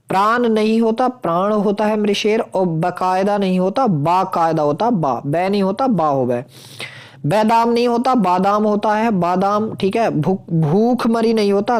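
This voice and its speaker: Hindi spelling coach, drilling word by word. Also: female voice, medium pitch, warm tone. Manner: drills spellings, repeats words, asks and answers own questions. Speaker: teacher. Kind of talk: exam coaching lesson.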